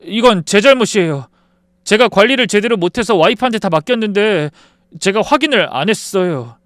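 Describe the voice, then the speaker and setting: A grown son on his wife's side, as a man acts him out, pleading and protesting in a whiny voice. The tone is high and smooth, and the recording is close and dry. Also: expressive, a little fast, a bit bright, no echo. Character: defensive adult son who shields his wife. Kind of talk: dramatized story reading.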